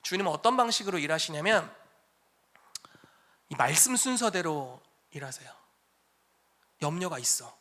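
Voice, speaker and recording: A man's voice: on the high side, big pitch swings, normal speed, long pauses, pushed and bright. A man preaching a sermon at a church service in a conversational, emphatic way. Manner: conversational and emphatic, acting out quotes. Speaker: pastor.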